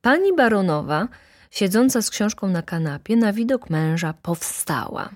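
A woman reading a classic novel aloud as an audiobook narrator, with a mid-range voice. Her narration is steady and even. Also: medium pitch, normal speed.

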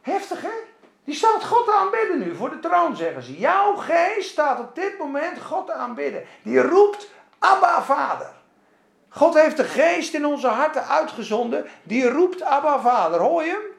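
An emphatic Bible study teacher whose voice leaps up and down in pitch as they put question after question to the group. The tone has a gravelly edge of vocal fry, and the recording carries a roomy echo. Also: big pitch swings, normal speed.

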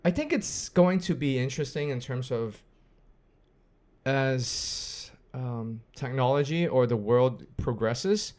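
A chatty young man from Hong Kong talks as a podcast guest. His pitch sits in a middle range, and he often speeds up as he explains his views and greets his viewers. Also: takes it slowly, darkish tone. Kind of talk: casual podcast conversation.

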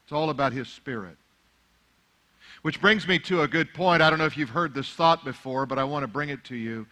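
A man's voice: fairly high pitch, brisk, pushed and bright. A middle-aged man whose first language is Arabic, preaching a sermon that moves from easy conversational remarks to fervent, rising exhortation. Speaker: pastor.

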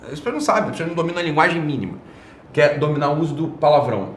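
This online show's male host talks very fast in a high-leaning voice, offering a casual, blunt opinion piece full of slang, profanity and rhetorical tag questions. There's a roomy echo and slight background noise.

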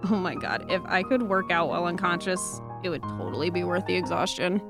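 A woman's voice: lowish voice, a little fast, lightly acted. A woman playing a jaded young store clerk in an audio drama, with a dry, casual, sardonic delivery. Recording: music behind the voice.

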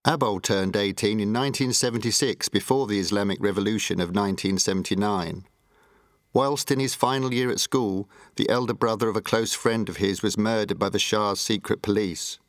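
A man delivers scripted announcer narration in a fairly low voice. The sound is very dry, with no room around it. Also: brisk, dry recording.

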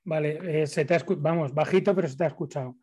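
A man's voice: fairly high pitch, quick pace, mellow, husky. A man with a Spanish accent from Spain, moderating and talking casually in a seminar discussion.

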